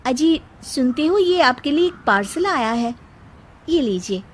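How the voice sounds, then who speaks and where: A woman's voice: high voice, animated, measured pace, slight background noise, pitched above the performer's own voice. A woman voicing a spoiled, scheming young wife in a storybook tale, whiny and wheedling. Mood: sweet. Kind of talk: storybook character voice.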